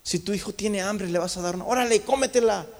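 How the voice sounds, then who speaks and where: A man's voice: sits high, level tone, fast talker, darkish tone. A man preaching a sermon, fervently and often calling out to his congregation as brothers. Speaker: pastor. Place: church sanctuary. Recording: long church hall reverb.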